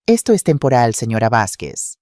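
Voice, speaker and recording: A man's voice: mid-range voice, very animated, a little mellow, no room sound, clean studio sound, natural voice. Man reading as a firm formal lawyer woman. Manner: formal, measured legal phrasing.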